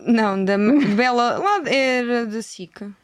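A woman with a European Portuguese accent co-hosting a podcast, arguing her point in quick, playful, insistent banter. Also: on the high side. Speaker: podcast co-host. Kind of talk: casual banter.

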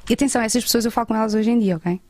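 A woman in her thirties with a European Portuguese accent, telling a lively travel story as a guest in a casual chat. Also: fairly high pitch, rapid-fire, dry recording. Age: 30s.

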